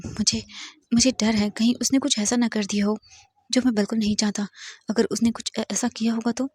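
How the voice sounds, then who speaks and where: A woman's voice: fairly high pitch, fairly even intonation, fairly quick, darkish tone, slightly rough, no room sound. A woman voicing an anxious young man who stammers with fear for his brother. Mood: worried. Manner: stammering, fearful.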